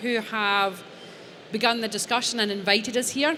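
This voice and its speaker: A woman speaks at a moderate pace with fairly even intonation amid noticeable background noise. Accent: Scottish. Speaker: business owner, panelist. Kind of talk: panel discussion.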